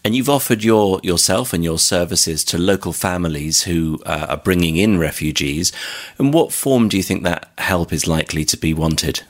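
Low-voiced male interviewer. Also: expressive, moderate pace. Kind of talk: radio interview.

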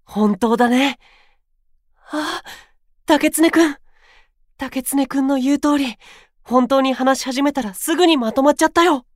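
A sweet, earnest young male idol in a Japanese voice drama. He speaks softly and politely in a light, boyish voice, recorded dry and close. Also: very high voice, unhurried, long pauses, no room sound. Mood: cheerful. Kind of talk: Japanese anime-style voice drama acting.

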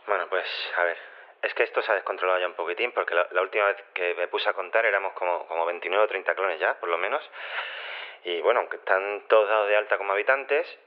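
Audio comedy: awkward Spanish male scientist played by a man, low voice, halting and rambling, thin phone line. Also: close to an everyday voice. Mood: flustered, apologetic. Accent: Spain. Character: awkward, flustered male scientist and his hesitant clones. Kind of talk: naturalistic audio comedy acting. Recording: muffled, tinny phone message.

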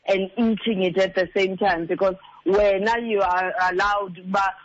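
A man's voice: sits high, fairly even intonation, moderate pace, dry recording, muffled recording. A man with a South African Xhosa accent giving earnest, direct advice as a relationship counsellor, stressing points by repetition. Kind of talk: earnest advice, mixing in two languages.

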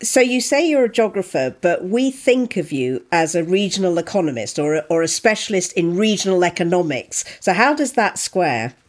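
A woman hosts an interview podcast, speaking articulately through prepared introductions and questions. Her voice sits on the low side for a woman. Her intonation is lively and moves a lot. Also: normal speed, hardly any pauses. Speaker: podcast host.

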